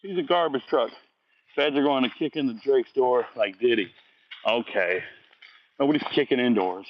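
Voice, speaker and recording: A man's voice: mid-range voice, moderate pace. Blunt, slangy man on dull lo-fi audio. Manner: blunt, slangy, animated trash talk. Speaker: high school football recruiting vlogger. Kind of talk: casual chat answering viewer comments. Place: on the move after a workout.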